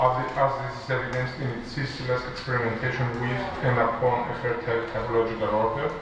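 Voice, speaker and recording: The speech comes at a very fast pace. There is noticeable background noise and strong echo from the room. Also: man. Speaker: architect lecturer. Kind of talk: lecture. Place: hall.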